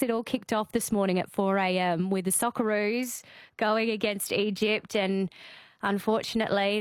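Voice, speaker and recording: A woman with an Australian accent presenting live radio from a studio in a bright, chatty manner. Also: a little high, dry recording. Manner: bright, chatty, laughs easily. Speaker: radio host. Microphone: studio microphone.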